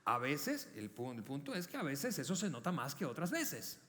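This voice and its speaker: A high-pitched male pastor preaches in an earnest, talky way. He keeps repeating words and throws questions at his listeners. His voice rings out with a long reverb tail in a church auditorium. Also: wildly swooping pitch, moderate pace, pushed and bright. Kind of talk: sermon.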